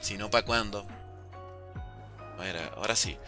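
A man's voice: lowish voice, measured pace, soft background music. A man streaming a zombies game live, talking to his chat, thanking donors and yelping in alarm when things go wrong. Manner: excitable, yelps and repeated cries of alarm; chatty with viewers, thanks donors. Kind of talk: live gameplay commentary, reading chat.

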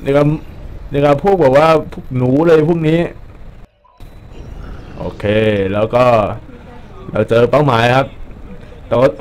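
A young man giving casual, joking commentary over his gameplay, excitable and swearing at enemies. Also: medium pitch, unhurried, pauses often, slight background noise. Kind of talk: casual Let's Play commentary.

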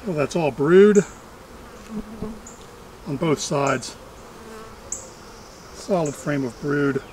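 A middle-aged man with a notably high voice talks casually through his work as a beekeeping host. He is chatty and dryly humorous. The recording is outdoors, with faint insect noise behind him. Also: extremely slow. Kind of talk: casual running commentary while working. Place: outdoors among trees at beehives.

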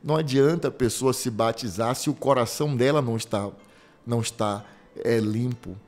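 A Brazilian man, a bishop, preaching conversationally, telling a story with quoted dialogue and slow, emphatic repetitions. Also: mid-range voice, a little mellow. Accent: Brazilian Portuguese. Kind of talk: conversational sermon.

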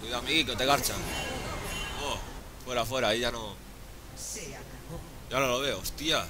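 A young man from Spain with a Spanish accent, commentating his own game excitedly, swearing and laughing often. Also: medium pitch, moderate pace, background noise. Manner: excitable, profane, laughs often, calls viewers "sobrinillos". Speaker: gaming YouTuber.

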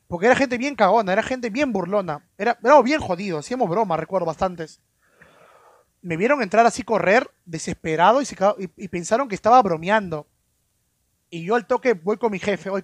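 A man spins a story for his stream audience, stumbling over and repeating his words. His voice sits high. The sound is dry and close, with no room echo. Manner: stammering, repeats words, swears casually. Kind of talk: casual storytelling on a live stream.

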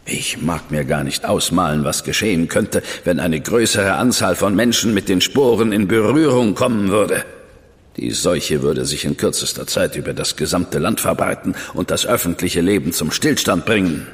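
Deep formal gentleman, stern, reverby. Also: expressive, moderate pace. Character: stern, proper government man, older brother figure. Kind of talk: German audio drama acting.

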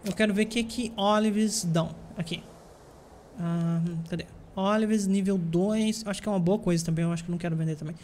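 A man's voice: high-pitched, fairly even intonation, a little fast, a little mellow, a little hiss or hum. A man with a Brazilian Portuguese accent, talking casually to himself and his viewers while playing a strategy game, with bursts of exasperation. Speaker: gameplay streamer. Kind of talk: casual gameplay commentary.

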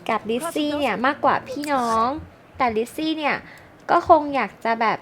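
Young female game host, high-pitched, chatty and playful commentary. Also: normal speed, a bit bright. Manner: chatty and playful, many polite particles. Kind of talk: casual gameplay commentary.

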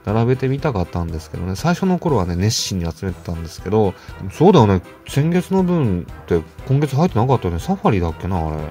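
A man's voice: lowish voice, very animated, fast talker, hardly any pauses, mellow, faint music behind. A man casually chatting to himself while opening toy cars, muttering asides and chuckling. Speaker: toy car collector vlogger. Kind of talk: casual unboxing chat.

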